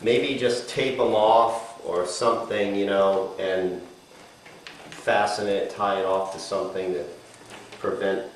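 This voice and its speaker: A man's voice: fairly low pitch, steady tone, slow. A middle-aged man giving a casual, hands-on DIY tutorial, informal and a little hesitant as he thinks aloud. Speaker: DIY home improvement demonstrator. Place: indoors in a house. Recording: echoey room with background noise.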